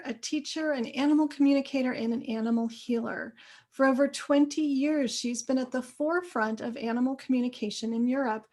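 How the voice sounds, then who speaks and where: A woman host who reads an enthusiastic introduction of her guest and then interviews her. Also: on the high side. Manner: upbeat and enthusiastic. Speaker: summit host.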